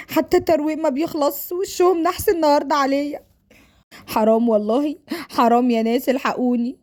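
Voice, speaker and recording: A woman's voice: high-pitched, darkish tone, pitched above the performer's own voice, lightly acted. A woman with an Egyptian accent playing a distraught, defiant young woman in a domestic story, wailing and pleading melodramatically against an arranged marriage. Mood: fed up, indignant.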